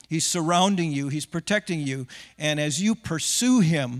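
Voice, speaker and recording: A man with an American accent, a plain, everyday voice, fairly high pitch, ordinary pitch variation and a fairly slow pace. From US Midwest, central Minnesota. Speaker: missionary. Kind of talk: sermon. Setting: church.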